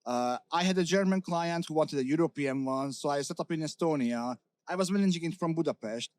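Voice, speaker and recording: A middle-aged Hungarian CEO talks candidly in a casual interview, full of fillers and restarts. His voice is a little high, brisk and darkish in tone, with no room sound.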